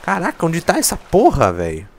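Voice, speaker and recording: At a normal speed and in a slightly high voice, a man gives casual let's play commentary with faint game music behind him. He's excitable, swears heavily, and pokes fun at the game.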